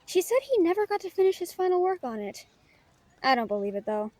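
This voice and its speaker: A woman's voice: very high-pitched, sing-song, fairly quick, darkish tone, no room sound. A woman playing a casual, friendly female novelist in an audio drama, with an informal, slightly hesitant way of talking. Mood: chatty, bemused. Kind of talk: naturalistic audio roleplay acting.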